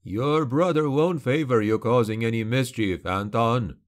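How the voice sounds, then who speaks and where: A man's voice: mid-range voice, measured pace, natural voice. Man playing a nervous, pleading innkeeper. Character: timid male innkeeper, anxious, pleading father.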